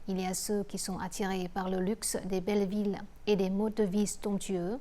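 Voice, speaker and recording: A woman presents a news programme, reading from a script. Her voice is medium in pitch with a warm, dark tone.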